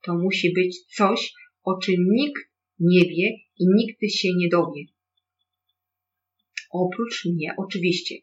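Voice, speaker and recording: A storyteller voicing a fussy, quick-tempered wind in a storybook read-aloud. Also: medium pitch, lo-fi sound, close to an everyday voice. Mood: earnest. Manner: blustery, scolding.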